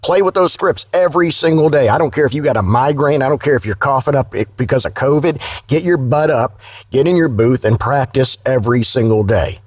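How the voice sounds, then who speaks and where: Voice actor guy on a podcast, mid pitch, blunt and salty, super dry sound. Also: brisk, no echo. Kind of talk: casual interview chat.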